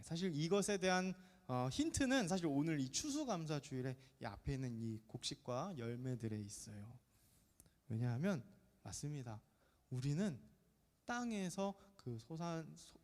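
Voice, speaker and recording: A man in his thirties preaches to a middle-school youth group, his voice sitting a little high. He talks in a chatty, joking way and keeps asking the teenagers questions. His words ring with the long reverb of a church sanctuary. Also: a little mellow. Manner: chatty, jokey, often asks the congregation questions. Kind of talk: lively sermon to teenagers.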